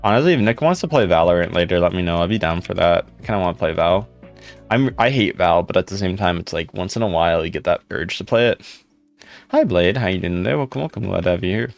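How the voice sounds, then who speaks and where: A young man with a deep voice, casually chatting with viewers on a live stream. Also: animated, fast, vocal fry. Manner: laid-back, rambling, chatting to viewers. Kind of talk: casual live stream chat, reading comments. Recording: faint music in background.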